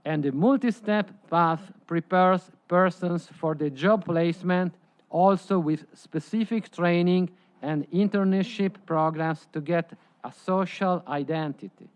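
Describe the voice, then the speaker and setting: A man whose first language is Italian gives a prepared presentation at a conference, in slightly halting phrasing. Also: high voice, clean tone. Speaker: presenter at a conference side event.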